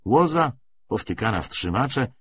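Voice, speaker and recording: A man reading a literary audiobook as narrator, in an expressive scripted style. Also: medium pitch, measured pace, muffled recording, slight background noise.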